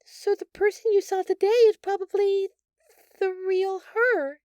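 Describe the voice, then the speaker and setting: A woman voicing a shapeshifted alien posing as a sweet, anxious human girlfriend in an intimate audio roleplay, speaking softly and haltingly. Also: very high voice, flat delivery, no echo. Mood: anxious, confessing. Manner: soft, halting, pleading, stammering. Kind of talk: audio roleplay acting, intimate address to listener.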